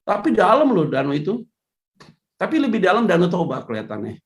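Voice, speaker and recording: A male pastor preaching a lively sermon, acting out the voices of church members and people he quotes. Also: high voice, fairly quick. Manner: animated, acts out voices of congregants and quotes.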